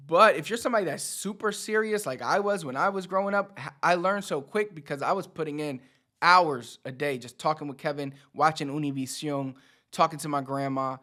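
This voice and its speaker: His fairly high voice is brisk, pushed and bright. He's in his thirties, a Spanish teacher and channel host giving a casual, conversational pep talk to camera, repeating words for emphasis.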